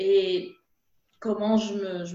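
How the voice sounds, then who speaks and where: Medium pitch from a female speaker. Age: 60s. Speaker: psychotherapist and speaker. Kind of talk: interview.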